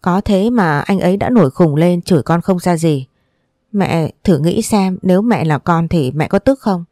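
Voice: lively intonation, moderate pace, warm tone, dry recording, studio quality, natural voice. A storyteller voicing a jealous, quarrelsome young wife who accuses and whines. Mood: whining. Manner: shrill accusing, whining.

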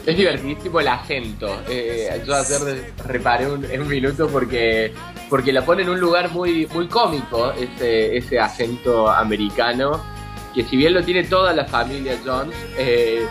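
A man's voice: mid-range voice, a little slow, over music. A man with an Argentine Spanish accent, co-hosting a casual chat about a TV show, enthusiastic and repeating words as he thinks. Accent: Rioplatense Spanish. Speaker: co-host.

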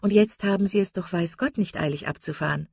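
A woman's voice: lowish voice, a little fast, gravelly, a little mellow, breathy edge, no echo, pitched above the performer's own voice. A woman voicing a young woman who gushes with false sweetness and sly digs. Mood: gushing.

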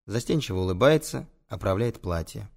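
A man narrating a first-person audiobook in a sardonic, crude, expressive way. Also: on the low side, a little fast, gravelly.

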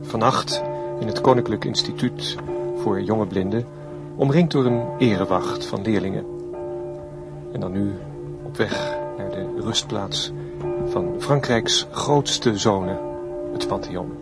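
A solemn 1950s radio reporter giving live commentary. His low voice moves slowly and deliberately, pausing now and then. Loud musical sound runs behind him. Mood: solemn, stately. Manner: solemn, measured, hesitant fillers. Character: solemn male radio reporter at state funeral procession. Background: church bells, music.

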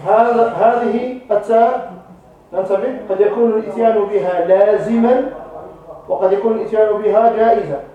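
A man's voice: high-pitched, fairly even intonation, brisk, phone-quality sound. A man teaching a grammar class. He quizzes the students and repeats the key terms. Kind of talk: classroom lesson. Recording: echoey classroom, mic far off.

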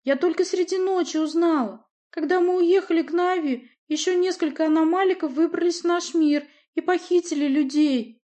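A woman voicing an impulsive, haughty young lioness princess who talks high and emotional. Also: lively intonation, a little slow, few pauses, a little mellow. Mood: upset.

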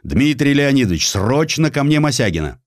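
A man's voice: mid-range voice, sing-song, normal speed, no room sound, clean studio sound, pitched above the performer's own voice, close to an everyday voice. A man voicing a grasping, self-pitying, bullying police chief with a grumbling, blustering manner in an audiobook.

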